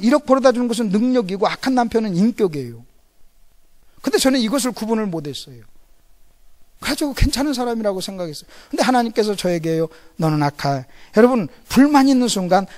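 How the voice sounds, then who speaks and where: Animated Gyeongsang pastor preaching. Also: male voice, sits high. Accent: Gyeongsang Korean. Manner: animated, switches between loud emphasis and hushed asides. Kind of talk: sermon.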